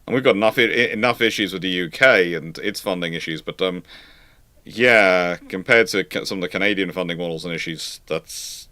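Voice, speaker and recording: A man giving informal expert commentary as he answers questions on a live show, emphatic and correcting, often halting and repeating words. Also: low voice, bright, forceful tone, no echo. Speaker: host of a naval history live Q&A.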